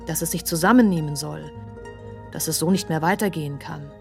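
An actress performing an outsider's literary radio monologue in short, incantatory, repeated phrases. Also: female voice, low-pitched, brisk, creaky, faint music behind. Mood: pleading, tender.

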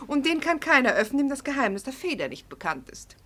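An actress playing a vain, chatty hostess who gushes in a radio play. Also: female voice, high voice, sing-song, quick pace, fairly bright tone, exaggerated voice. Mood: gushing. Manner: gushing, chatty. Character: vain gushing hostess, proud of her jewels.

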